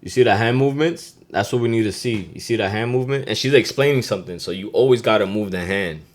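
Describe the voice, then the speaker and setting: A man's voice: fairly low pitch, fast talker. A young man hosting a podcast, giving a loose, slangy Spanish lesson, swearing and dropping in Spanish phrases. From Dominican heritage. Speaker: podcast host.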